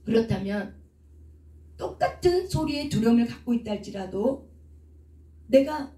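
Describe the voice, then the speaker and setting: Middle-aged woman, counselor and preacher, mellow tone, picked up from a distance in an echoey church hall. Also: fairly high pitch, lively intonation, measured pace. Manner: asks rhetorical questions and answers them herself. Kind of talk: teaching sermon with questions to the congregation. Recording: echoey room, speaker away from the mic.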